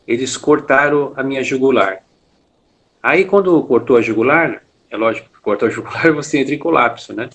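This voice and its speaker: A man with a Brazilian Portuguese accent, a guest telling his personal story in conversation, often pausing on fillers and restarting his sentences. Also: medium pitch, fairly bright tone. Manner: frequent filler "né", hesitant restarts. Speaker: interview guest.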